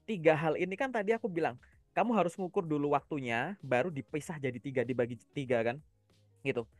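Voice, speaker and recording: A man's voice: a little high, a little fast, dry recording, soft background music. A man from Java giving casual coaching advice, explaining step by step and checking in with rhetorical questions. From Java, Indonesia. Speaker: career coach.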